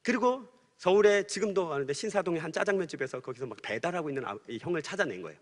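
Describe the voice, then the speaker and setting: A middle-aged man preaching a sermon through a personal story, swinging from hushed storytelling to loud, animated outbursts. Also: a little high, very fast. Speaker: pastor. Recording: hall reverb.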